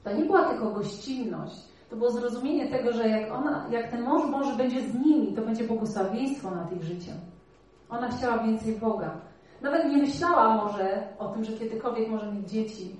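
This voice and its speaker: A woman's voice: fairly high pitch, normal speed, darkish tone. A woman preacher giving a sermon in a church, teaching earnestly and putting rhetorical questions to the congregation. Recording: very echoey hall, voice from far off.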